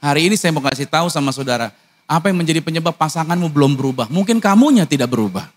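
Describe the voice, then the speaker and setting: A pastor preaching a sermon, mixing casual slang with formal lines and asking the congregation rhetorical questions. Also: male voice, racing. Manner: swings from high excited lines to low earnest ones.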